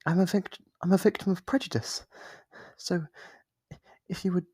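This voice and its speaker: A man voicing a lonely, clingy sealed demon who is sweetly manipulative, in an ASMR roleplay with soft-spoken, wheedling talk. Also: high voice, fairly even intonation, normal speed, breathy edge, no echo. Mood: pleading.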